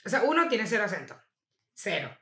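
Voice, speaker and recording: A woman's voice: medium pitch, big pitch swings, a little fast, a loud crowd. Chatty woman in an echoey room. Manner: chatty, gossipy, laughs often. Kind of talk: casual chat. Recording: roomy echo.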